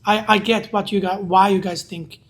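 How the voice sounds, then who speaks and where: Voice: medium pitch, steady tone, moderate pace, slight background noise. An interview host with a Chinese accent, speaking English as a second language and asking short, direct questions that often repeat the guest's answers back. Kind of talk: casual interview.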